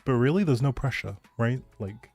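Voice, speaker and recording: Mellow-voiced man chatting on a livestream. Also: mid-range voice, animated, moderate pace, slightly rough, faint music behind. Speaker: live game streamer. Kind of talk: casual livestream chat with viewers.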